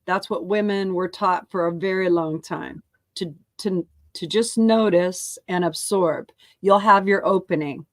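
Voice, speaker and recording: A woman's voice: fairly low pitch, unhurried, dry recording, clean studio sound. A middle-aged woman co-hosting a casual talk show, speaking candidly, swearing freely and laughing often. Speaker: co-host. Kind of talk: casual chat.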